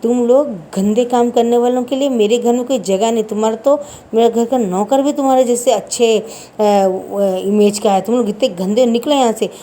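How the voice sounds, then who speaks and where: A woman voicing a stern, quick-tempered wealthy mother who scolds, in a spoken story. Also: fairly high pitch, dark tone, slight background noise, natural voice. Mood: angry.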